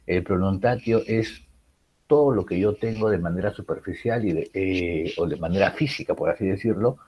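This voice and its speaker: A man's voice: low voice, normal speed, a little mellow, breathy edge, poor audio. A man teaching a writing class, explaining public speaking with many rhetorical questions and fillers. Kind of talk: recorded class lecture.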